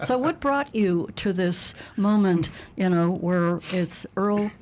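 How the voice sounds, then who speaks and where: A woman from Pittsburgh co-hosting a radio talk show, chatty and quick to laugh. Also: on the low side, darkish tone, a little hiss or hum. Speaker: co-host.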